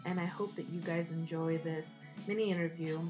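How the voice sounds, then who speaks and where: A woman's voice: low voice, fairly even intonation, normal speed, over music. A woman who is a writer and singer, speaking earnestly to camera about a project close to her heart. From Salvadoran heritage.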